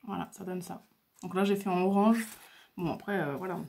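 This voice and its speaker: A woman with a lowish, slightly mellow voice and vocal fry talks briskly with fairly even intonation as she shows off her craft supplies. As a crafting video host doing casual show-and-tell, she's hesitant and full of fillers, recorded at home on a camera mic.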